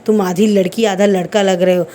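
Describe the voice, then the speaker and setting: A woman's voice: mid-range voice, little pitch movement, brisk, warm tone, close to an everyday voice. A woman voicing a bossy young modern woman who takes charge like a big sister, in a spoken story. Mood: insistent.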